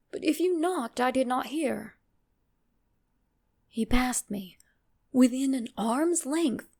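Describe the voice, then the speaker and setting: A woman's voice: on the high side, vocal fry, a little mellow. A woman voicing an uneasy, formal man who recounts an uncanny apparition in a dramatic horror reading.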